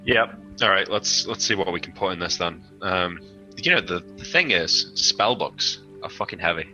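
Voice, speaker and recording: A man's voice: low voice, expressive, normal speed, bright, forceful tone, dull audio, faint music behind. A British man playing in a livestreamed tabletop game, chatting casually, swearing freely and stumbling over his words. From United Kingdom. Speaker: player.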